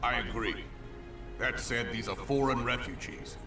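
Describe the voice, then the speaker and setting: A man acting a sober, cautious councillor in a fantasy game, formal and measured. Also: medium pitch, lightly acted. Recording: distant, roomy game audio under music.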